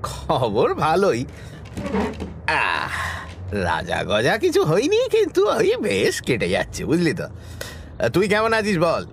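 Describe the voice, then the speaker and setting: A man's voice: a little high, huge pitch swings, takes it slowly, gravelly, pauses often, a little hiss or hum, full character voice. An actor playing a good-natured, insistent middle-aged village man chatting familiarly with an old friend in an audio story. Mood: friendly, chatty.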